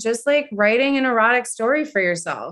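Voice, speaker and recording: A woman with an American accent uses a plain, everyday voice, fairly high in pitch with ordinary pitch variation. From Buffalo, New York. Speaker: sex and intimacy coach. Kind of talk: casual interview chat.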